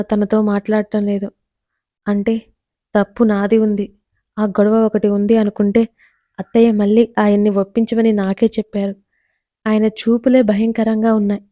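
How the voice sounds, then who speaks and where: A woman's voice: mid-range voice, little pitch movement, normal speed, pauses often, mellow, dry recording, natural voice. A woman doing a nervous timid young wife. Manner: flustered, hesitant.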